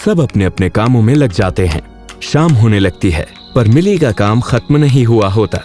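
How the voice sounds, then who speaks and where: A man's voice: fairly low pitch, expressive, normal speed, warm tone, soft background music. A man reading a scripted spooky bedtime story as its narrator.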